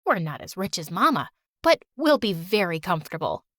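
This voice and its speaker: A woman voicing a gentle, kind-hearted adoptive mother who speaks softly. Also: lowish voice, very animated, normal speed, no room sound, clean studio sound, voice pushed down. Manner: soft, gentle, warm-hearted.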